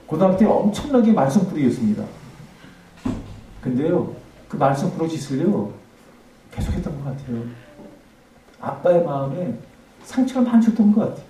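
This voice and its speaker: A man preaching in a church sanctuary, his fairly high, mellow voice swinging widely in pitch. He alternates emphatic peaks with hushed passages. The recording is roomy and distant, with faint hiss behind. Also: sing-song, brisk, long pauses. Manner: impassioned, rising to emphatic peaks then dropping to hushed tones. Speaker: pastor. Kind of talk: revival sermon. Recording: echoey church hall, mic at a distance, faint noise.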